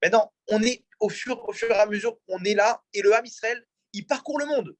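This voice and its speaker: A man's voice: high voice, a little fast, no room sound. A man, a rabbi, teaching a religious class and asking his audience questions as he explains. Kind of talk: religious lecture. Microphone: in-room mic, also streamed on a video call.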